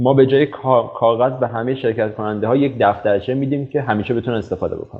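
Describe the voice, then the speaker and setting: Words tumble out of a man at a very fast pace. The pitch stays medium, with fairly even intonation. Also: hardly any pauses. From Bojnurd, North Khorasan, Iran. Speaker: digital marketer and tour leader. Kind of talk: casual interview. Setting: video call.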